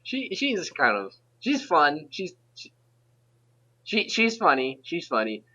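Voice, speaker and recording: Young male podcast host, bright and forceful tone, rambling casual delivery, dull lo-fi audio. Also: a little high, wildly swooping pitch, slightly rough. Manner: rambling, halting restarts. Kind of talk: casual chat.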